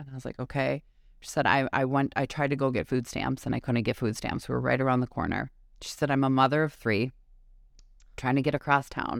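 On a very clean recording with a silent background, a woman with an American accent speaks at a fairly quick pace in a very deep, low pitch, with vocal fry and monotone, flat intonation. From US Midwest, Minnesota. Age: 40s. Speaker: writer, musician and online community founder. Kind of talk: casual interview conversation.

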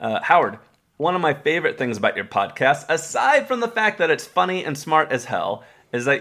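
With an American accent and vocal fry, a man talks at a fairly quick pace, his pitch swinging very widely. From Texas. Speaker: history podcast host. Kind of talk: round table discussion.

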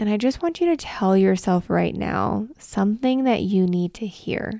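A woman's calm, soothing voice, dark and mellow in tone, comes through on a very clean recording with a silent background. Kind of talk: guided meditation. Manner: slow, calm, soothing, paced counts; gentle, reassuring.

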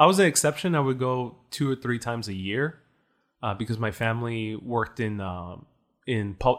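An ordinary speaking voice from a man with an American accent, medium pitch, lively intonation and a fairly quick pace, in a very clean recording with a silent background. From New York City, Jackson Heights, Queens. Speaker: history video creator. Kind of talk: casual interview.

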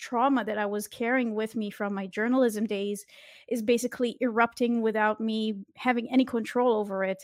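A woman speaks in a fairly high pitch with a monotone, flat intonation. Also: very clean recording, silent background. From Israel. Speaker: email strategist and copywriter. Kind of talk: interview.

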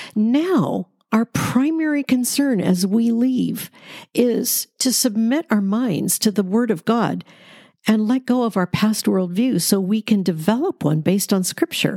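Very even in loudness and somewhat breathy, the voice has a dark, mellow tone with lively intonation at a fairly slow pace. The recording is very clean and silent in the background, dry and close with no echo. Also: woman, fairly high pitch for a woman. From raised Adventist. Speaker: podcast co-host. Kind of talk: casual Bible study discussion.

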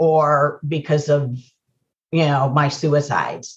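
Somewhat breathy, a woman with an American accent speaks very slowly at a very deep, low pitch. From US, Pennsylvania. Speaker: recovery speaker. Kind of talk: testimony. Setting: consecutive interpretation.

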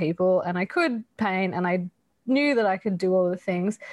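A woman with an Australian accent at a moderate pace, ordinary pitch variation, and a quiet background. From Tasmania, Australia. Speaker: artist and art school director. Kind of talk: casual interview.

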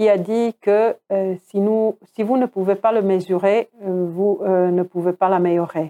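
A woman speaks at a very slow pace with a slight Italian accent. Her intonation is fairly even. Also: medium pitch for a woman. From northern Italy, Turin. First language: Italian (speaking French). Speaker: finance director. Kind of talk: interview. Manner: halting, frequent repetitions.

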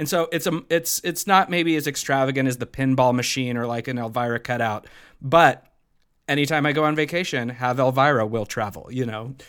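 A man talks at a fairly quick pace in an ordinary speaking voice, medium in pitch with ordinary pitch variation. The recording is very clean, with a silent background. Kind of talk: casual interview chat.

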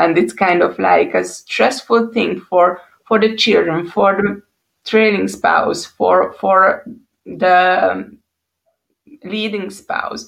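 A woman with a Hungarian accent, speaking at a very slow pace. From Hungary. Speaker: podcast host. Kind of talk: interview.

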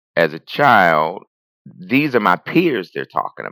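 Very slowly, a man speaks with an American accent, a bright, sharp tone and vocal fry, his pitch swinging very widely. The recording is dry and close, with no echo. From US, Washington DC. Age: 50s. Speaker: nonprofit founder and advocate. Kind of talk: casual interview.

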